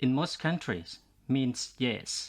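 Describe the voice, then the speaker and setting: A man speaks at a fairly slow pace with a non-native accent, on a very clean recording with a silent background. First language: not English. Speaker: student. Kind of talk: scripted dialogue.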